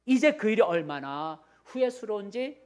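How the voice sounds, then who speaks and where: A man voicing a grieving 76-year-old widower who confesses his regret slowly and earnestly. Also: sits high, sing-song, voice pushed up. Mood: regretful.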